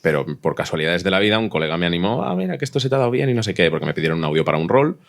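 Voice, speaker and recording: Low-voiced, fast-talking man from Spain. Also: sing-song, creaky. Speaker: panelist, audio fiction podcaster. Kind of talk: casual anecdote telling.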